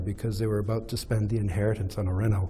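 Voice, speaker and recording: A man with a Canadian accent has a dark, mellow tone and a somewhat breathy sound, with audible room echo. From Canada, immigrant from Iceland at age six. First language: Icelandic. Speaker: film director. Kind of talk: lecture. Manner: halting, many fillers.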